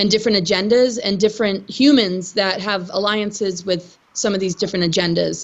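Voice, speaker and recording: In an unremarkable speaking voice with an American accent, a woman talks at a fairly quick pace with medium pitch and fairly even intonation. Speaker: interviewee on extraterrestrials. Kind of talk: interview.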